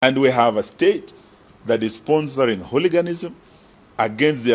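This is a man talking. His pace is fairly slow. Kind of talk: press statement. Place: hall.

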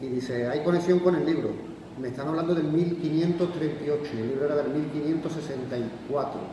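With audible room echo and noticeable background noise, a man speaks at a fairly slow pace with a fairly high pitch and fairly even intonation. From Seville, Spain; Spain. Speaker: paranormal investigator; podcast guest. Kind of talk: storytelling to live audience. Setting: bookstore cultural forum with audience. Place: stage.

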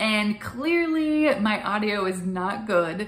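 A woman speaks with audible room echo. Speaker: motorcycle vlogger. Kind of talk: casual vlog chat. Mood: cheerful, laughing at herself. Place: home room. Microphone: phone near.

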